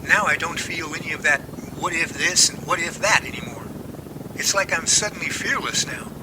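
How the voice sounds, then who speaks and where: A man's voice: fairly high pitch, normal speed, noisy background, natural voice. A man in an amateur audio drama playing an easygoing, newly confident man in love, earnest and plain-spoken.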